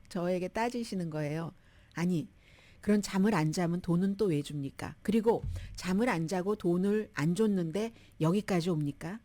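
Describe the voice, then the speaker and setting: A woman's voice: medium pitch, mellow. A woman hosting a radio news show, giving chatty, opinionated commentary on the day's news and laughing at her own asides. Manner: chatty, opinionated, quotes people in little voices, laughs at herself. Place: radio studio.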